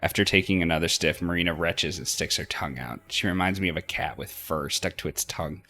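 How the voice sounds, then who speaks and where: A man reading a visual novel aloud as expressive first-person narration for a let's play. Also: low voice, a little fast, soft background music. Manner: acts out dialogue between narrated passages.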